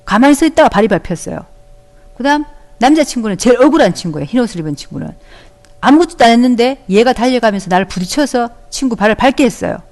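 A woman's voice: on the high side, animated, fast, darkish tone. A woman teaching an audio-only class to young children, talking them through with encouraging questions and acting out their lines. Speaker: elementary school teacher. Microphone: close microphone, audio only.

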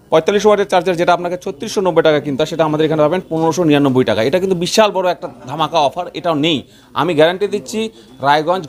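A man with a West Bengal Bengali accent giving an emphatic, repetitive promotional sales pitch as a showroom promoter. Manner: emphatic, repetitive listing of offers.

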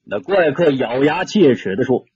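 A man's voice: medium pitch, expressive, moderate pace, darkish tone, husky, no room sound, dull audio. A man narrating an audiobook story dramatically, shifting his tone with the action.

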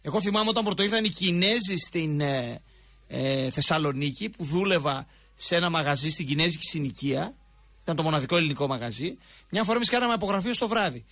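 A Greek man co-hosting a radio talk show, chatting freely and spinning an anecdote. His voice sits high and bright, with a dry, close sound. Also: expressive, no echo. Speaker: radio co-host.

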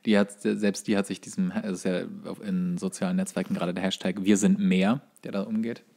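A man's voice: deep voice, flat delivery, brisk, darkish tone. A man who co-hosts a podcast, chatting casually and comedically in a wry, sardonic manner. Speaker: podcast co-host.

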